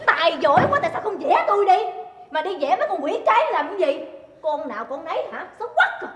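A woman's voice: sing-song, fast. An actress with a Southern Vietnamese accent playing a middle-aged jealous wife who scolds and mocks her husband in a stage comedy. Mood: nagging. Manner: shrill, scolding, sarcastic. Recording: roomy stage hall, faint noise.

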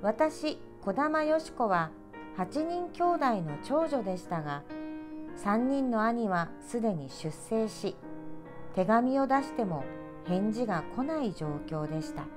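A middle-aged woman presenter speaking to children in clear, polite, measured announcer diction, as in a picture-book read-aloud. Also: fairly high pitch, very animated, over music. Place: small indoor room with sofa.

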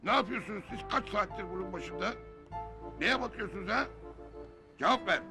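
A man's voice: high-pitched, a little fast, creaky. A middle-aged man playing a stern, old-fashioned father who scolds the boys in a sitcom. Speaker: Davut Usta, stern father and uncle. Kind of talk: TV sitcom acting. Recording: TV episode with music underneath.

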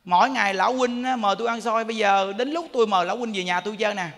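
A man's voice: high voice, very fast, a bit bright. A man with a Southern Vietnamese accent voicing a kindly Buddha who invites an old friend home, in a sermon. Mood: inviting. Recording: echoey hall.

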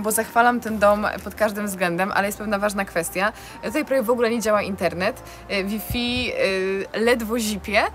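Young female vlogger, mid-pitched, effusive and casual, guiding a tour over light music. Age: young adult. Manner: enthusiastic, effusive. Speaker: vlogger giving a house tour. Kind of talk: casual spoken house tour to camera. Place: small stone house and outdoor terrace.

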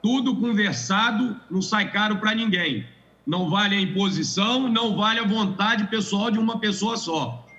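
A man's voice: high voice, normal speed, pushed and bright, muffled recording. A man giving an emphatic, formal parliamentary speech as a state legislator in a legislative chamber, repeating points for weight.

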